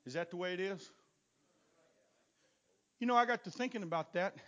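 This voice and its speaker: A man preaching with a very high, bright, forceful voice. He moves from hushed, murmured asides to loud, shouted calls. He keeps a preacher's rising, rhythmic delivery. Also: moderate pace, highs cut off. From not from Texas. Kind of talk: sermon.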